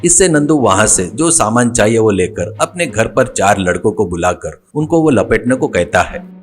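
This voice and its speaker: A man's voice: on the low side, moderate pace, soft background music. Man narrating a cartoon story. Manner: plain, steady storytelling.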